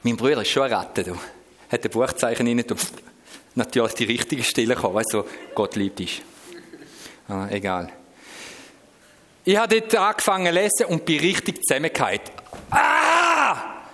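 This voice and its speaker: A middle-aged Swiss man with a Swiss German accent tells his own story to an audience. His voice is mid-pitched and lively, rising and falling a great deal as he moves from quiet asides to sudden outbursts. The sound carries a long echo from a large hall. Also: fairly quick, long pauses. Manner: animated storytelling, swinging from hushed asides to sudden shouts. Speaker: speaker giving a personal testimony. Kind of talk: personal testimony to an audience. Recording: reverberant hall.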